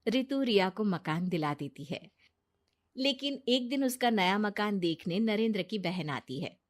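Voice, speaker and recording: Female narrator, steady and plain, for a cartoon storybook. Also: mid-range voice, unhurried.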